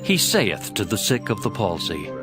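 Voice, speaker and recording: A man's voice: lowish voice, wildly swooping pitch, normal speed. A man narrating a dramatized scripture reading from a script. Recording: music behind the voice.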